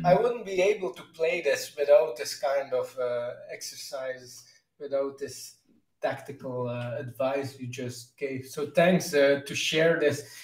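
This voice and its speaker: Audible room echo surrounds a man's somewhat breathy, fairly high voice with ordinary pitch variation. He speaks at a very slow pace, with big swings in loudness. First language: not English. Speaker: guitar teacher and live stream host; host guitar teacher. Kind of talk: casual interview chat on a live stream. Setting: live stream. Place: home room.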